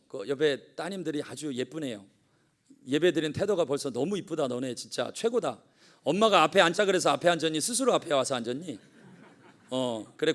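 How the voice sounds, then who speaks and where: Delivering a Korean-language sermon, a middle-aged male pastor with a notably high voice tells a family story. He swings between hushed, confiding moments and fervent exhortation.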